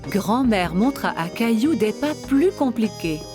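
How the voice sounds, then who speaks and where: A woman narrating a scripted children's cartoon story in simple, clear phrases. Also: on the high side, lively intonation, unhurried. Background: background music.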